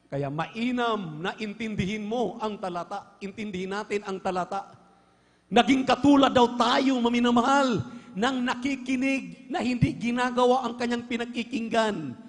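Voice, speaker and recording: Man preaching in a big echoey church, really high voice, kinda gravelly, fired up. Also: moderate pace. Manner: fervent, peppers speech with "hallelujah", swings from hushed to shouting. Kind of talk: Pentecostal-style sermon. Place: large church hall. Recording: long hall reverb from a church live stream.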